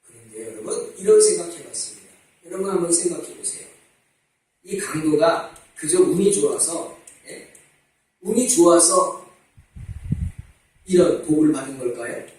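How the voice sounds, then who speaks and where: A man's voice: fairly high pitch, lively intonation, moderate pace, pauses often, a little mellow. A man preaching a sermon as pastor, asking rhetorical questions and repeating his calls to repent. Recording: echoey church hall, mic at a distance.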